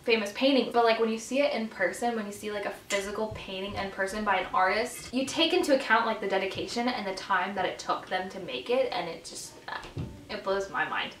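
A woman in her twenties chatting casually to camera over a meal, informal and animated, chewing as she talks. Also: medium pitch, brisk, slight background noise. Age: 20s. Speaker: vlogger. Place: small bedroom, indoors. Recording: echoey room sound.

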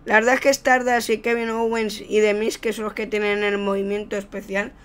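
Casting: Spaniard with a clean, smooth voice for off-the-cuff wrestling commentary on video game play, excitable play-by-play delivery. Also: mid-range voice, a little fast. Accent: Spain. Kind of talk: improvised gameplay commentary.

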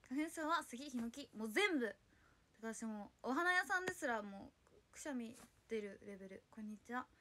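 A young woman, talking on her own livestream. Her voice sits high, and her chat is quick and flustered as she answers viewers one by one. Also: very animated, bright, forceful tone, a little hiss or hum. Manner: chatty, flustered, reads and answers viewer comments. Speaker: idol livestreamer. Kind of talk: casual solo livestream chat.

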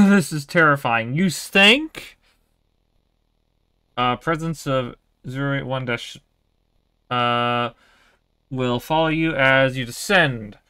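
Bright-voiced, uneasy male horror game streamer. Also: mid-range voice, takes it slowly, long pauses, smooth. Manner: uneasy, sweary, muttering taunts at the monster. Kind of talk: casual horror game play commentary.

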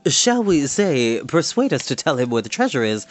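A man's voice: medium pitch, very animated, normal speed, soft background music. A man voicing a fretful bard in a storybook, wordy, theatrical and nervous in manner. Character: fretful, florid male bard with a harp.

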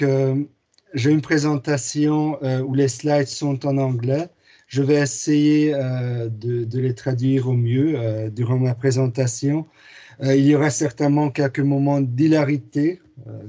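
Slow, hesitant non-native man presenting. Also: mid-range voice, dark tone. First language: not French. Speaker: guest presenter. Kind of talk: webinar presentation. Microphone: video call. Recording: muffled video call audio.

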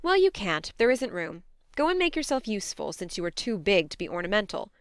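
A woman reading a storybook, voicing a blunt, spirited young woman who talks briskly. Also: mid-range voice, sing-song, clear, resonant tone, no room sound, clean studio sound. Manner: brisk, scolding, then tender.

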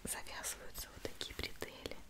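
A woman in her thirties whispers softly right into the listener's ear in a close-miked, gushing, affectionate ASMR chat. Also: brisk. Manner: gushing, affectionate, fond of diminutives. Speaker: ASMR video host. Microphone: large studio microphone right at the mouth.

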